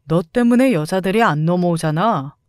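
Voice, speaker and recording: A woman voicing a petty middle-aged ex-husband who pleads and then snaps, lowering her voice for him. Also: expressive, moderate pace, a little mellow, smooth, no echo, clean studio sound, close to an everyday voice. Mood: resentful.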